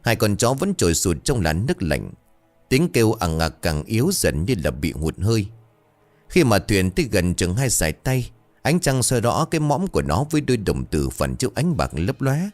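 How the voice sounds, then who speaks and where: A man's voice: fairly low pitch, very animated, moderate pace, darkish tone, faint music behind. A man narrating a horror story in a dramatic, suspenseful way.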